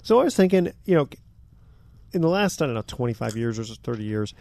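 A male co-host speaks in a gravelly, mid-pitched voice. He chimes in with short agreements and eases into new topics. The recording is dry and close. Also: quick pace, no echo. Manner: brief affirmations, relaxed. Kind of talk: casual chat.

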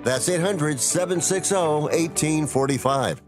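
A man in a radio ad reading out a phone number deliberately. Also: a little high, over loud music. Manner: slow, deliberate. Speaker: ad announcer.

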